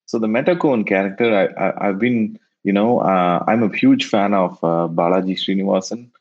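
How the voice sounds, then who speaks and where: A man whose first language is Tamil, answering interview questions in a halting way and often repeating words as he thinks. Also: lowish voice, a little mellow. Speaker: guest, NFT investor. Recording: dull lo-fi sound.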